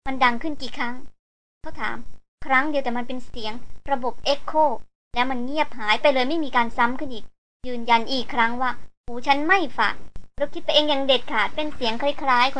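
A woman narrating a novel as an audiobook, in a steady storytelling manner. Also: high-pitched, a little fast. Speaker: audiobook reader.

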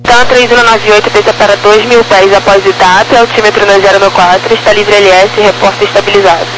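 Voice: medium pitch, flat delivery, fast talker. An air traffic controller with a Brazilian accent giving clipped procedural instructions over a crackly aviation radio, like military radio traffic. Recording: noisy crackly radio with hum.

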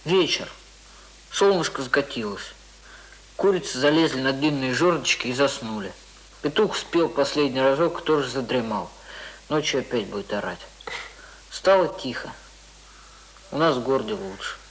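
An actor in a radio drama playing a dutiful schoolboy who speaks in a plain, artless, recitation-like manner. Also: male voice, mid-range voice, lively intonation, moderate pace, long pauses, a bit bright, natural voice, low-quality recording. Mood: plain, reluctant. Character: village-staying city schoolboy, dutiful, plain-spoken.

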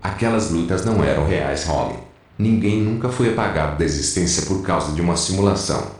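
Casting: male actor for a cautious, placating rebel in a radio play, deep pitch, very reverberant. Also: lively intonation. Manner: measured, placating. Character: weary, cautious male peacemaker among rebels. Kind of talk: audio drama acting. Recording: very echoey space.

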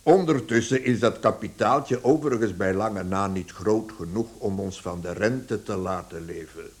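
Low-voiced, pompous father played by a man. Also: moderate pace, a little mellow, natural voice. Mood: measured, self-satisfied. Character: authoritative bankrupt father, measured head of household. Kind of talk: radio play acting.

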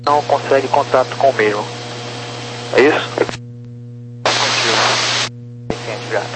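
A man's voice: mid-range voice, fairly even intonation, moderate pace, music in the background. A man with a Brazilian accent giving air traffic control instructions as a radar controller over a crackly radio transmission. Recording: crackly, humming, noisy aviation radio.

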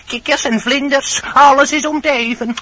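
An actor playing a solemn, mournful fairy-tale guardian in a radio play, speaking deliberately. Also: male voice, very high-pitched, fairly even intonation, pushed and bright. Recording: muffled, noisy old radio play.

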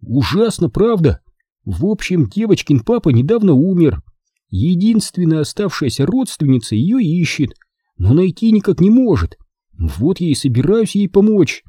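A man's voice: on the high side, sing-song, moderate pace, dark tone, slightly rough, no room sound, studio quality, voice pushed up. Earnest boy hero, hesitant but serious, raised voice, a man doing him.

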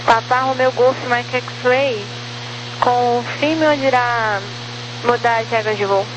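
A woman's voice: on the high side, steady tone, slow pace, over loud music. A Brazilian woman working as an air traffic controller, giving clipped procedural instructions over crackly military-style radio. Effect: aviation radio transmission. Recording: noisy humming aviation radio.

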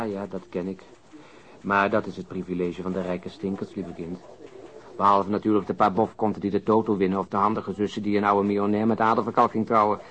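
An actor playing a cynical, wisecracking police detective in a radio drama, impatient and sardonic. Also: male voice, lowish voice, fairly bright tone, dull audio, lightly acted.

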